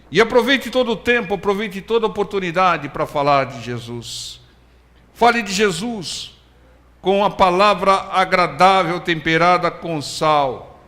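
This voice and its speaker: A man preaching a sermon in a high voice. He pushes hard on his exhortations, then drops low and quiet to press a point home. The sound carries a long reverb, as from a large church hall. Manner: emphatic preaching with swelling and falling intensity.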